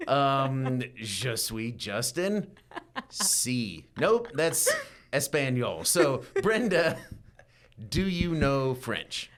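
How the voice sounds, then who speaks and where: A man's voice: mid-range voice, sing-song, drawn-out words, a bit bright. A man hosting a news talk segment, joking and laughing often. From Idaho, USA. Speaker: news show host. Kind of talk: playful studio chat.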